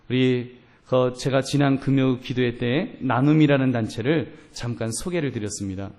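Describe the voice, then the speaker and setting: A man's voice: medium pitch, darkish tone. A male pastor preaching a sermon emphatically, asking the congregation rhetorical questions and telling stories. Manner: storytelling with voiced quotes.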